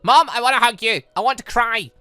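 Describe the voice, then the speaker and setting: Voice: mid-range voice, fairly quick, bright, forceful tone, clean tone, no echo, soft background music, voice pushed up, lightly acted. A game streamer playing an emotional young daughter in a visual novel, speaking in an earnest, pleading way.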